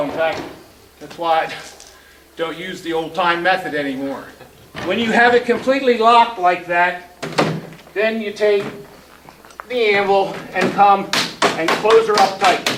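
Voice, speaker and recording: Over noticeable background noise, the speaker talks at a fairly slow pace with long, frequent pauses, big swings in loudness and ordinary pitch variation. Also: man, high pitch for a man. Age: 60s. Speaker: slate and metal roofer. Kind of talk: live tool demonstration to an audience. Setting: conference hall. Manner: casual, conversational.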